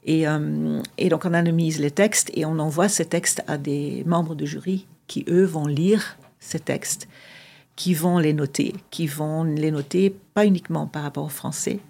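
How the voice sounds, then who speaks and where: Middle-aged woman interviewee, Dutch speaker, gravelly and husky voice, chatty but halting with fillers. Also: low voice, steady tone, mellow. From Belgium (Flanders, near Ghent). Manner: hesitant, many fillers, searching for words. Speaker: guest, association founder. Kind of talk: casual conversational interview.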